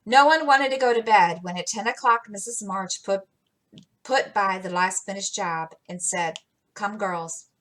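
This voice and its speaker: A woman reads a classic novel aloud for her story-time show. She keeps a steady, unhurried pace with a few small slips. Her voice sits in the middle of the range. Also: mid-range voice, poor audio.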